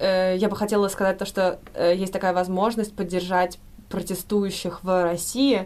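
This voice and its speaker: With an ordinary speaking voice, a woman speaks at a moderate pace and medium pitch in a very clean recording with a silent background. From Saint Petersburg, Russia. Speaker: activist. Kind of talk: interview.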